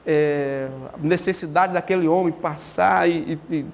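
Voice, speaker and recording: A man teaching Bible doctrine in a lively, storytelling way with a Brazilian Portuguese accent, acting out the quotes. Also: on the high side, unhurried, gravelly. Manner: animated storytelling, acts out quotes. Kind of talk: lively church teaching talk.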